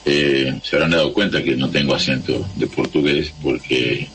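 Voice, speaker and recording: Deep-voiced rioplatense man, slow and halting, faint hum behind him. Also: steady tone, fairly bright tone. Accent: Rioplatense Spanish. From Argentina. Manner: unhurried, halting, searches for words. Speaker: guest sending a recorded greeting. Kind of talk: recorded spoken greeting.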